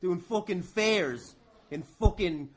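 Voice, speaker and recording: A man's voice: high voice, lively intonation, slow pace. Sweary Irish man bantering over noticeable noise. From Ireland. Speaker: podcast host and wrestler. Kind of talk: casual podcast chat. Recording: clearly noisy background with clicks.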